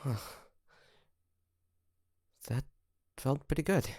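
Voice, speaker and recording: Man acting a slow, gravelly, tender young hunter. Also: mid-range voice, animated, no room sound, clean studio sound, heavily acted. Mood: nervous, tender. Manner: hesitant, halting, soft-spoken with sighs. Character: earnest, tender young male demon hunter in love. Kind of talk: intimate romantic audio drama acting.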